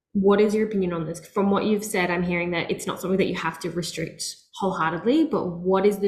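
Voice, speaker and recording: Very fast speech from a woman with a fairly low pitch and fairly even intonation, over noticeable background noise. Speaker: podcast host, nutritionist. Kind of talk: casual chat.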